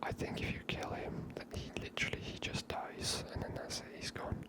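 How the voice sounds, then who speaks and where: Female ASMR gamer, breathy whisper, casual chatty delivery, unscripted game commentary. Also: fairly quick. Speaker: ASMR gaming host.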